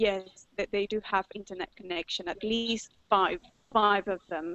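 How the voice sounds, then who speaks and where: Speaking with a Spanish accent, a woman uses a medium pitch with ordinary pitch variation. The background is quiet and the sound is dry with no echo. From Buenos Aires, Argentina; Argentina. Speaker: English teacher. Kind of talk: casual chat. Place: home room. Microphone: headset.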